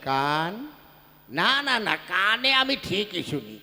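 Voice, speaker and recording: A man's voice: high-pitched, very animated, slow pace, exaggerated voice. A man playing a deaf old village codger. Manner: loud, squabbling, mishears everything. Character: hard-of-hearing old village man eager to remarry. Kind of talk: puppet show folk comedy. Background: folk music.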